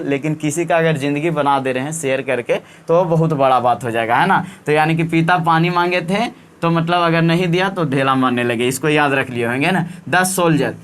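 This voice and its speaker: Coaxing male tutor, slightly high voice. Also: a bit bright. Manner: repetitive, coaxing, often ends with "है ना". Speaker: teacher. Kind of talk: casual exam-prep lesson.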